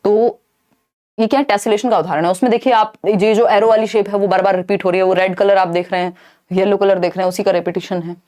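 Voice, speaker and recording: A woman's voice: mid-range voice, steady tone, fast, mellow. A young Indian woman giving an exam-prep lecture, explaining in Hindi with English terms and answering her own questions. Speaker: teacher.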